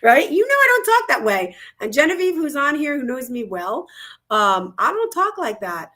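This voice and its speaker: A woman's voice: high voice, big pitch swings, moderate pace, sharp tone. A woman co-hosting a casual livestream talk show from home on a video call, bubbly and gushing. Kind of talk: casual upbeat livestream chat. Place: home, indoors, in Florida.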